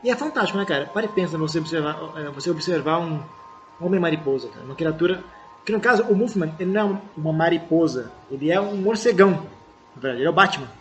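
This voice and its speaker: A young man who talks quickly and keeps circling back with restarts and examples. His voice is a little high. The feel is casual banter among friends. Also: lively intonation, faint music behind, rough recording. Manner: explains with many restarts and examples. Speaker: podcast co-host.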